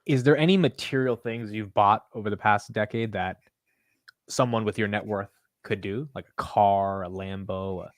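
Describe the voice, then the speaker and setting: A man's voice: fairly low pitch, moderate pace. A man hosting an interview, asking curious questions and offering short affirmations. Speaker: interviewer and host. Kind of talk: casual interview conversation.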